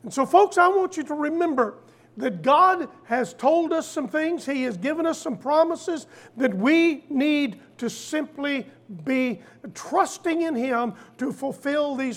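Older preacher, high-pitched voice, folksy Easter sermon, storytelling delivery, deliberate repetition.

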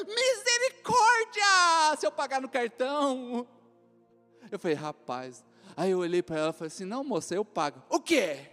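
A Brazilian man with an unusually high voice preaches a sermon. He tells lively stories and acts out the people in them. The sound rings out with a long hall echo, and soft music plays behind him. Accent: Brazilian Portuguese. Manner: animated storytelling, acts out other voices, laughs often. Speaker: pastor. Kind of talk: sermon with acted anecdotes.

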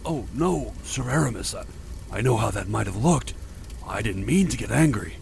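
A man voicing a towering, quick-tempered male blacksmith with a gravelly, growling voice. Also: on the low side, expressive, a little mellow, a little hiss or hum. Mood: defensive.

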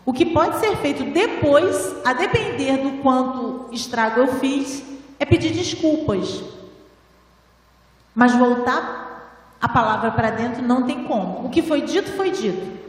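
Woman, spiritual lecture, high voice, didactic, handheld mic, distant, very echoey hall. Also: lively intonation, unhurried. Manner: didactic, rhetorical questions, frequent "né?". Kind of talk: spiritual lecture to a seated audience. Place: large hall with audience. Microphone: handheld microphone.

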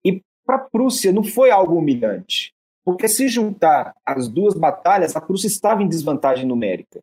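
Halting male history presenter. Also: a little high, very animated, a little mellow, slightly rough. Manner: halting, with many repeated syllables and restarts. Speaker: history show host. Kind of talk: casual spoken history lecture.

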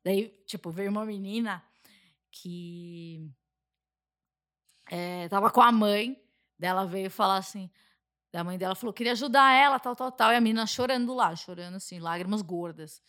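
A Brazilian woman talking casually as a podcast guest, telling stories in an animated, talkative way. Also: medium pitch, normal speed. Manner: talkative, animated storytelling with frequent laughs.

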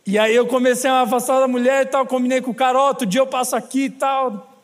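Brazilian male pastor, very high voice, funny storyteller, preaching in a reverberant church hall. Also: steady tone, quick pace. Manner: humorous storytelling, chatty asides to the congregation. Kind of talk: sermon.

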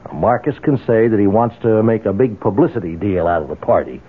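An actor playing a determined, vengeful man in a radio drama, insistent and persuasive, with a husky voice. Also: fairly low pitch, a little fast. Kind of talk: 1970s radio drama acting. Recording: narrow, phone-like old radio sound.

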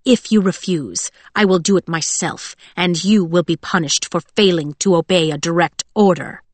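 A woman's voice: on the low side, normal speed, no room sound, lightly acted. Woman acting a cold, haughty male official. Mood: cold menace.

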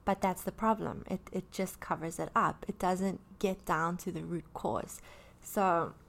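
A woman's voice: on the low side, fairly even intonation, measured pace, vocal fry, fairly bright tone. Woman, early thirties, candid, rambling, lots of fillers, personal vlog. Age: 30s. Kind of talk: personal talk about anxiety.

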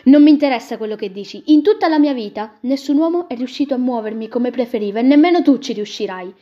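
Storybook heroine: proud, fiery young gypsy woman, read by a woman; husky, lo-fi. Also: fairly high pitch, level tone, fast, soft background music. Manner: sharp and loud when angry. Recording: dull lo-fi recording.

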